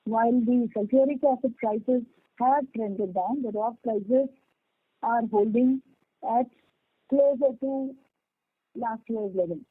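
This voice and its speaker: Female corporate executive, Indian accent, measured earnings-call explanations, dry and band-limited telephone sound. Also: fairly high pitch, no room sound. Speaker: company executive answering analysts. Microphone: conference call phone line. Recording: tinny phone line, dry.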